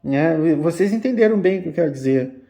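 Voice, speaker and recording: Mellow fifty-year-old man. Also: a little high, lively intonation, creaky. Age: 50s. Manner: slow, repetitive, addressing listeners as "gente". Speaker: umbanda spiritual teacher and channel host. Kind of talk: religious teaching talk to viewers.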